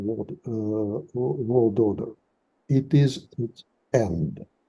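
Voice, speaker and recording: Speaking in a dark, mellow tone, a man talks with a non-native accent. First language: not English. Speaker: panelist at academic conference. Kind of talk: conference talk.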